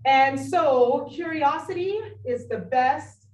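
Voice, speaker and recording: Middle-aged woman, animated workshop presenter, fairly high voice, distant mic, echoey room. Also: slow, a little hiss or hum. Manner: animated, acts out quoted friends. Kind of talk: live workshop talk. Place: meeting room.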